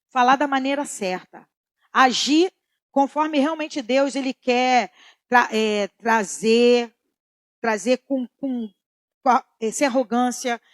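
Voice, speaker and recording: A woman's voice: sits high, no echo, studio quality. A middle-aged woman teaching a church Bible study in a conversational way, repeating key phrases and asking the audience questions.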